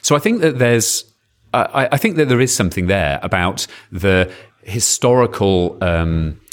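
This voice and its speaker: A man co-hosting a casual podcast, talking haltingly and repeating words as he thinks aloud. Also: deep voice, big pitch swings.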